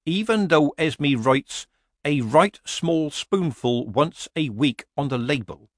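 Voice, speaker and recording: A man's voice: on the high side, expressive, takes it slowly, dry recording, clean studio sound, voice pushed up. A man voicing a shrewd, cheerful old woman witch who talks bluntly and mildly. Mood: wry. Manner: blunt, earthy, mild.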